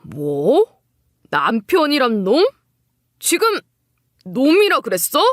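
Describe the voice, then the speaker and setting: A woman's voice: a little high, huge pitch swings, takes it slowly, fairly bright tone, no echo, studio quality, full character voice. A woman voicing a callous, defensive husband in a dramatised story, with a dismissive way of talking. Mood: indignant.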